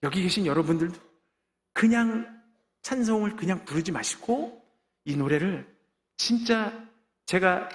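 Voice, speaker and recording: A middle-aged man delivers a testimony sermon with a fairly high voice, driving each point home and sealing it with an amen. The church sanctuary around him rings with a long reverb. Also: lively intonation, measured pace, pauses often. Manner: emphatic preaching with frequent amens and call-and-response. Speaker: pastor giving testimony.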